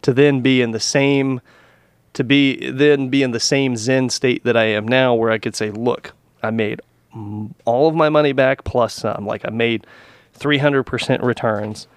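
A man's voice: medium pitch, fairly even intonation, a little slow, smooth, no room sound. A man co-hosting a podcast, chatting casually and rambling with lots of restarts and fillers. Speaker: podcast co-host. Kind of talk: casual chat about stocks.

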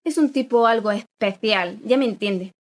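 A woman's voice: on the high side, moderate pace, natural voice. A woman playing a helpful hospital receptionist who speaks in a confiding tone. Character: friendly female hospital receptionist.

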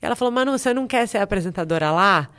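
A smooth, clear-voiced woman, talking freely as a podcast guest. She speaks at a middle pitch for a woman and tells stories in a chatty, lively way, laughing easily. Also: racing. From Brazil, grew up in Espírito Santo. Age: 30s. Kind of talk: casual interview chat.

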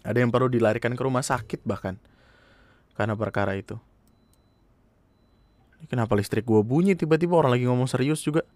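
A man's voice: mid-range voice, fast, pauses often, darkish tone, dry recording. A young man, earnestly commenting in a casual monologue, speaking straight to his listeners. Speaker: podcast host.

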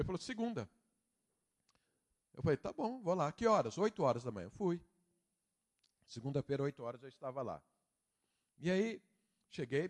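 A middle-aged pastor delivers a sermon with a somewhat high, lively voice. He acts out the lines of a personal story and then rises into loud, emphatic preaching. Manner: animated storyteller acting out dialogue, building to loud preaching.

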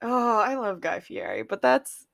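A woman's voice: medium pitch, a little slow, vocal fry, no echo, clean studio sound. A woman co-hosting a casual podcast chat, telling stories with frequent laughter. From New England. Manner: laughing, animated storytelling. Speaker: podcast co-host.

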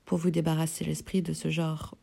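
A woman reading the part of a guarded, quietly threatening handmaid in an audiobook. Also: low-pitched, a little fast, gravelly, exaggerated voice. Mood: cold warning. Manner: light, flat, quietly threatening.

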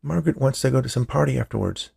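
A man's voice: mid-range voice, quick pace, creaky, a little mellow, slightly rough, voice pushed up, heavily acted. A man voicing an awkward, earnest teenage schoolboy in an audio story, with an eager manner. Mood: reassuring.

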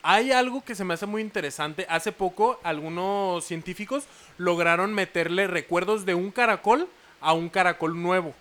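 A man's voice: high-pitched, normal speed, a bit bright. A man with a Mexican accent in a casual podcast chat, steering the talk and raising curious ideas. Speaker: podcast co-host.

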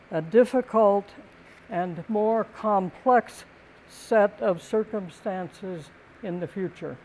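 An older woman giving a prepared talk in a calm, gentle, deliberate way, with thoughtful pauses between phrases. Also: medium pitch, low-quality recording. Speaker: speaker giving a talk on community and housing.

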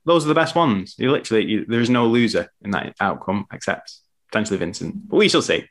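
A man's voice: lowish voice, animated, fast. A young man hosting a casual sports podcast over a video call, chatty and rambling, often correcting himself. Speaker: podcast host.

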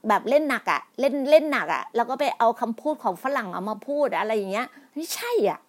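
Emphatic scolding woman, rather high voice. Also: animated, fast. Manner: emphatic, scolding, repeats herself with many restarts; polite particles, pleading then indignant. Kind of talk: impassioned political monologue.

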